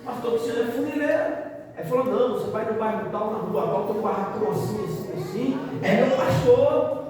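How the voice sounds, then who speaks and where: A Brazilian man preaching a storytelling sermon as pastor, animated and acting out the dialogue of his story. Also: high voice, a little fast. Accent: Brazilian Portuguese. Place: large church hall. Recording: echoey church hall from far off, music behind.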